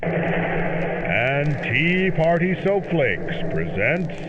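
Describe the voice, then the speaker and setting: Slow, grand radio announcer played by a man. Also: on the high side, very animated, muffled recording, heavy background noise, full character voice. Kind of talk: old-time radio show announcing.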